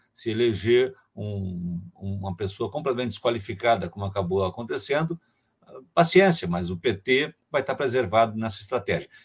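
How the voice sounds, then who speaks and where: At a moderate pace, a man with a medium-pitched, somewhat breathy voice and lively intonation comes through on a very clean recording with a silent background. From Rio Grande do Sul, Pelotas. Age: 50s. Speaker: political activist and live stream host. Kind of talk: political discussion.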